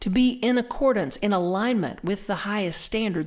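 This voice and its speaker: A woman with a Southern US accent speaks at a moderate pace, her medium-pitched voice carrying lively intonation. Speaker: minister. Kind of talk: sermon. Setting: pre-recorded online service.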